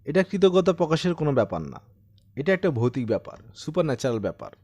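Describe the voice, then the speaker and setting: A man's voice: a little high, big pitch swings, fast, mellow. A man voicing a troubled man of sixty-seven in an audiobook, earnest, self-deprecating and insistent as he recounts something eerie. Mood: agitated, insistent. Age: 60s. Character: troubled 67-year-old man recounting his eerie haunting. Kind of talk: dramatised audiobook storytelling.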